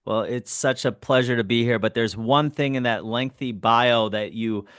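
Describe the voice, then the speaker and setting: A man's voice: medium pitch, moderate pace, fairly bright tone, clean tone, no room sound, clean studio sound. A man from Wisconsin, a professor, speaking as an interview guest in an earnest, reflective way. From Wisconsin, United States.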